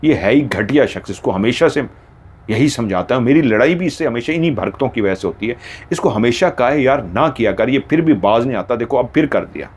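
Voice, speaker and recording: A man voicing a sharp-tongued young man who bluntly scolds his friend. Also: mid-range voice, animated, brisk, breathy edge. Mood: irritated.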